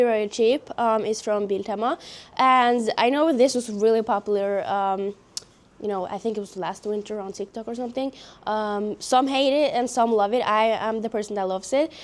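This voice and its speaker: A woman's voice: on the high side, moderate pace. A teenage girl from Norway with a Norwegian accent, chatting casually through a horse-care tutorial with many fillers. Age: teens. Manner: chatty, lots of fillers, self-conscious. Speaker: horse vlogger. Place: outdoors or stable with her horse.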